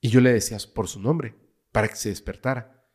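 A man with a Mexican Spanish accent, a guest on a casual podcast interview, telling a story dramatically and dropping to a hush at tense moments. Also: medium pitch, brisk, slightly rough. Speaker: guest, paranormal investigator.

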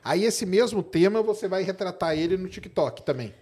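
A man hosting a casual interview, encouraging and quick with short affirmations. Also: sits high, lively intonation, a little mellow, breathy edge. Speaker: interviewer host.

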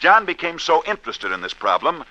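A man's voice: on the high side, sing-song, a little fast, bright, forceful tone, muffled recording. A man hosting a sports radio show, narrating scripted stories in a dramatic, declamatory way.

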